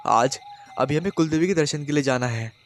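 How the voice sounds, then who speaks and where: A man's voice: a little high, brisk, lightly acted. A man voicing a mother-in-law who gives plain instructions. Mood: instructive.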